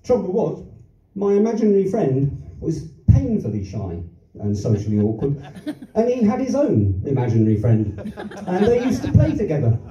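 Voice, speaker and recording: An older man, raised in London, works through a stand-up set with a wandering, self-mocking delivery and an animated, swooping pitch. His voice is dark and mellow. It is caught from out in the audience, so it sounds distant, roomy and a little dull. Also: moderate pace, hardly any pauses. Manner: rambling anecdotes with self-deprecating asides and chuckles. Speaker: stand-up comedian. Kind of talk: stand-up routine. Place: small theatre stage. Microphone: handheld mic, filmed from the audience.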